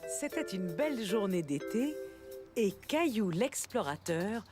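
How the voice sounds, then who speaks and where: A woman's voice: mid-range voice, sing-song, a little slow, over music. A woman narrating a children's cartoon as a kindly storyteller, in a scripted storybook style. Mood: gentle storytelling.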